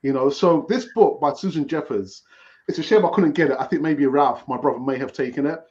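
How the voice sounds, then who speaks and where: Man, casual chat host, rambling stories, fairly high voice, muffled sound. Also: brisk, darkish tone. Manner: rambling, storytelling with restarts. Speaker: podcast host.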